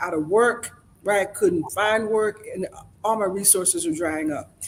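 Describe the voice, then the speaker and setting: Speaking at a moderate pace, a woman talks in a Southern US accent. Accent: Southern US country. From US South, small town. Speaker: talk show host. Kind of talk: live panel discussion.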